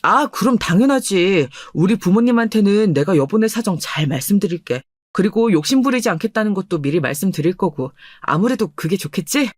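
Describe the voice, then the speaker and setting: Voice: mid-range voice, lively intonation, brisk, hardly any pauses, no room sound, studio quality, close to an everyday voice. A performer voicing an earnest, deferential husband in his thirties in a dramatized radio story.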